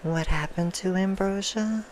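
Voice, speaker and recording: A woman voicing a soothing yet menacing female vampire in an ASMR roleplay, telling a bedtime story in a hushed manner that drifts into whispers. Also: mid-range voice, unhurried, voice pushed up, close to an everyday voice. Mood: hushed storytelling. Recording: clear background noise.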